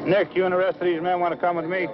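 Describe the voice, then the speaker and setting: An actor playing a brisk, matter-of-fact small-town police chief giving orders in an old black-and-white horror film. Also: male voice, high voice, little pitch movement, over music, close to an everyday voice. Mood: businesslike. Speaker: police chief leading a posse. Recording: muffled, noisy old film soundtrack.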